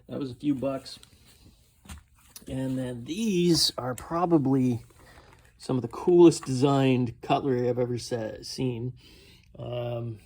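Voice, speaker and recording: A man's voice: medium pitch, darkish tone. An older man giving a casual, unscripted show-and-tell of secondhand finds, rambling and self-deprecating as he goes. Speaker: collectibles reseller showing a garage sale haul. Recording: clearly noisy home recording with clicks.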